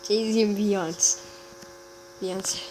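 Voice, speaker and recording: A woman's voice: medium pitch, steady tone, drawn-out words, warm tone, slight background noise, low-quality recording. A woman giving casual commentary as she plays a horror game, sounding scared and exclaiming. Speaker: gamer playing a horror game.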